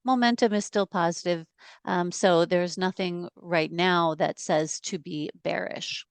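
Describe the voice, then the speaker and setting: A woman walking through stock chart analysis in a measured, steady way with some fillers, speaking on a video call. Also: lowish voice, vocal fry, clean tone, no echo. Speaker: market analyst.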